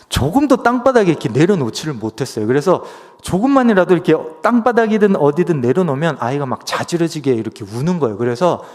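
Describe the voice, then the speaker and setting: A man in his thirties preaches in a fairly high, animated voice, drifting into a casual storytelling manner full of fillers. His words ring out with the long reverb of a church hall. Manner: conversational storytelling with many fillers. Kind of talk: sermon with personal story.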